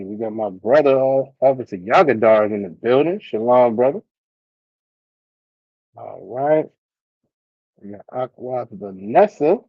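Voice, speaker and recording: A man's voice: on the low side, dry recording, narrow, tinny audio. A man teaching an online class, talking loosely with many fillers and restarts.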